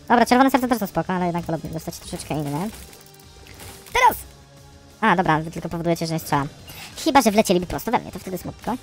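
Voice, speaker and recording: A man giving casual, chatty gameplay commentary as a streamer, grumbling along and breaking into frustrated yells. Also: sits high. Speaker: gaming streamer.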